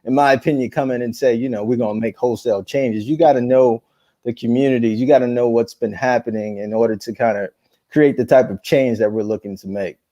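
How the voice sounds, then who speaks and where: Mellow-voiced, measured male podcast guest. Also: mid-range voice, steady tone, dry recording, highs cut off. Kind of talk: casual podcast discussion.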